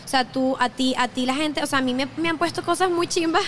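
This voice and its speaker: High-voiced chatty young Venezuelan woman. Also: quick pace, a bit bright, slight background noise. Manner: chatty, self-correcting, laughs easily. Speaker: podcast guest. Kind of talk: casual interview chat.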